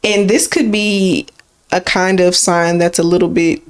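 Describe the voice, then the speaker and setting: A woman's voice: lowish voice, measured pace. Casual woman podcast co-host. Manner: conversational, rambling, lively emphasis.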